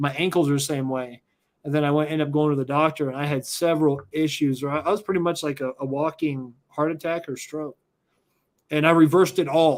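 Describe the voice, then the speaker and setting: An unremarkable speaking voice from a man, fairly high in pitch, at a fairly quick pace with fairly even intonation, on a very clean recording with a silent background. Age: 40s. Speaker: livestream host. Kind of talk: casual chat.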